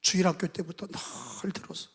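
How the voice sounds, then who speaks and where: High-voiced pastor in an echoing hall. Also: male voice, little pitch movement, a little fast, husky. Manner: dramatic storytelling, acts out voices, swings loud and soft. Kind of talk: sermon. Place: church sanctuary. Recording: long hall reverb.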